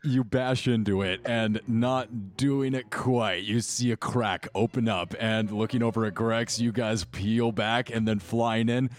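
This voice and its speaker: A man running a tabletop game as game master, improvising narration in an excitable, playful way. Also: fairly low pitch, unhurried, few pauses.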